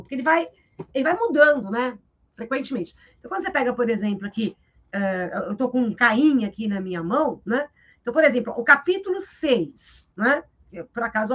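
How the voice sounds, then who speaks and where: A woman teacher with a Brazilian Portuguese accent, explaining literature in a live interview over a video call, in a lively, explanatory way that keeps checking in with her listener. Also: on the high side, muffled recording. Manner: lively and explanatory, tags sentences with "né?".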